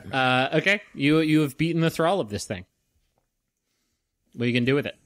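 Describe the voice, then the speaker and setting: A man running a tabletop game as game master, narrating with many pauses and restarts and joking with swearing. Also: medium pitch, lively intonation, a bit bright, no echo.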